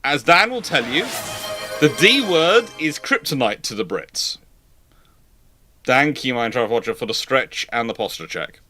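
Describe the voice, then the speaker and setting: A man's voice: mid-range voice, expressive, a little slow, bright, forceful tone, faint music behind. A man hosting a live question-and-answer stream, chatting casually and thinking aloud in a rambling, conversational way. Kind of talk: casual live panel chat.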